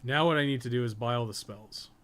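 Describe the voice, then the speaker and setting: A game livestreamer who also co-hosts a podcast talks fast in a medium-pitched, somewhat bright voice. He rambles casually while playing, blunt and slangy, with some swearing.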